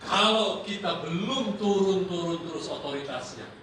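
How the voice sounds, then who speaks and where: A man leading a church parenting seminar, lively, acting out parent and teen exchanges and dropping in English phrases. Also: high voice, normal speed. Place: large church hall. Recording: echoey hall, voice far from mic, noisy.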